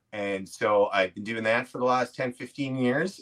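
This voice has a Montreal accent. The pace is moderate. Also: man. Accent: Montreal anglophone Canadian English. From Montreal, Quebec, Canada. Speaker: comedy writer and actor. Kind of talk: casual interview chat.

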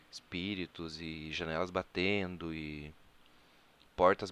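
The man's voice is very deep and low, with monotone, flat intonation. He speaks at a very slow pace. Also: big swings in loudness. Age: 20s. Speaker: podcaster. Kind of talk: casual chat.

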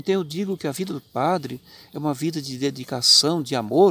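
A man is speaking. He keeps a moderate pace. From Brazil, rural Santa Catarina. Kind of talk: interview. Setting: priests' retreat.

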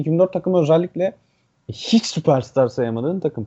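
A man speaks in a high voice that swings very widely in pitch. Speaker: basketball podcast host. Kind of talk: casual chat.

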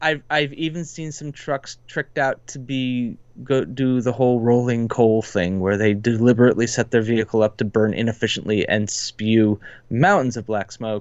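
At a moderate pace and with ordinary pitch variation, this is a normal speaking voice with an American accent. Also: man, medium pitch for a man. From northeastern US, New Jersey then upstate New York. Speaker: podcast host and card game writer. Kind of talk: casual chat.

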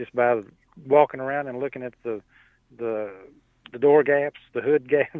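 In an Appalachian accent, a man talks at a moderate pace and medium pitch with fairly even intonation. His loudness swings widely, and he takes long, frequent pauses. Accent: Appalachian US Southern. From Eastern Kentucky, Breathitt County. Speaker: mini truck enthusiast and photographer. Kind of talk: casual chat.

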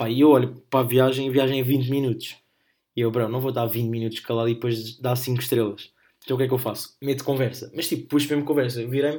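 At a very fast pace, a man with a European Portuguese accent speaks in a dark, mellow tone at medium pitch, captured in a very clean recording with a silent background. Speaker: podcast host. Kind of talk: casual solo chat. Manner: animated.

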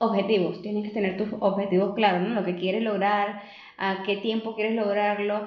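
Noticeable background noise and audible room echo fill the clip. The speaker keeps a moderate pace with monotone, flat intonation. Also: woman, medium pitch for a woman. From Venezuela. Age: 30s. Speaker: pastry entrepreneur. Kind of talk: casual interview.

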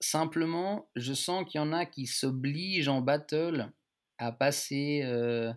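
A man with a normal speaking voice talks at a fairly high pitch with ordinary pitch variation. The recording is very clean, and the background is silent. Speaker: hip-hop event organizer and battle MC. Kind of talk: casual interview. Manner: relaxed, laughs often.

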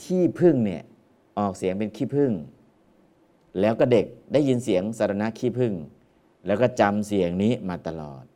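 A man speaks with a fairly low pitch and a dark, mellow tone. His intonation is lively. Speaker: Buddhist scripture teacher. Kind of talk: lecture.

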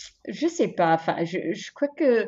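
A woman speaks with an English accent at a very slow pace. Her pitch swings very widely. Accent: English-speaking accent in French. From US South, Richmond, Virginia. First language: English (speaking French). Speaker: entrepreneur. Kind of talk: interview. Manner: hesitant.

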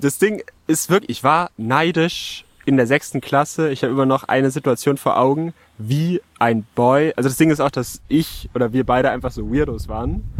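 With a normal speaking voice, a man talks at a fairly high pitch with ordinary pitch variation in a dry, close sound with no echo. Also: moderate pace. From Bavaria, Germany. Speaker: podcast co-host. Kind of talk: casual chat. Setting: outdoors at a lake beach.

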